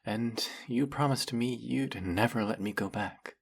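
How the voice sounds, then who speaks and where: A man playing a flirty, fanatically devoted demon familiar in a dramatic audio roleplay, with fawning, formal diction and a breathy, husky voice. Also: mid-range voice, measured pace. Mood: reverent. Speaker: voice actor. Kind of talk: dramatic roleplay monologue spoken to the listener.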